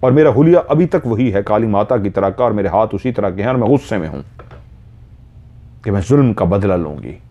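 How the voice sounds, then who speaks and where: A man's voice: on the low side, animated, a little fast, highs cut off. A man telling a horror story, earnestly retelling a listener's dream in first person and drawing out repeated phrases.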